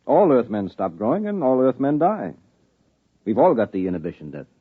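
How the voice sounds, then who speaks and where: An actor playing a guarded, curt investigator and weary husband in a 1950s-style radio drama, blunt and clipped, with a slightly husky voice. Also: male voice, medium pitch, very animated, moderate pace, no room sound, phone-quality sound. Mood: challenging. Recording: thin, boxy old radio recording.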